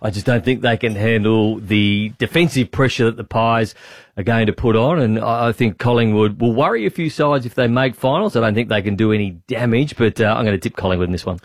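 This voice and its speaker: A man's voice: on the low side, a little fast, no room sound, clean studio sound. An Australian man co-hosting a radio chat, teasing dryly and giving confident football tips. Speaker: radio co-host. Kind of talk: casual banter and footy tips.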